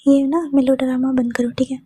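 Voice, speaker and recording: A woman voicing a stern but amused woman teacher who scolds firmly in a breathy, mellow voice. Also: high-pitched, flat delivery, a little fast, dry recording. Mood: scolding. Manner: scolding, firm.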